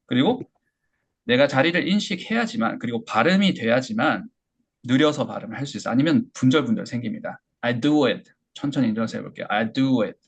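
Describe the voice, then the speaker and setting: Gravelly-voiced male English teacher. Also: medium pitch, animated. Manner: explains step by step and models English phrases slowly. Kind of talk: online lecture.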